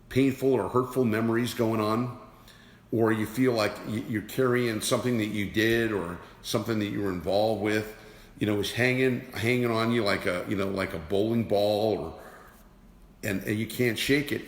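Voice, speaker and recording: A man giving a motivational teaching talk as an energy awareness teacher, emphatic and repeating rhetorical questions. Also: fairly low pitch. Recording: roomy with long reverb.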